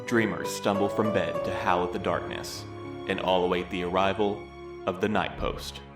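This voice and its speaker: A man performs a solemn, eerie storyteller opening an audio drama. His deep voice echoes from a distance beneath loud music. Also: flat delivery, normal speed. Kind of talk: scripted podcast intro narration.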